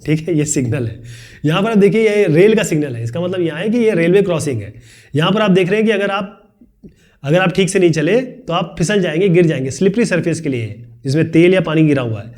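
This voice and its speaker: A man teaching a video lesson, explaining quickly and chattily with joking asides. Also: on the high side, a little mellow. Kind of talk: fast classroom video lesson.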